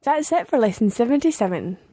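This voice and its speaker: A woman's voice: a little high, sing-song, normal speed, dark tone, dry recording. A woman co-hosting a language podcast, trying out sentences as the learner and reading announcements. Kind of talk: podcast lesson.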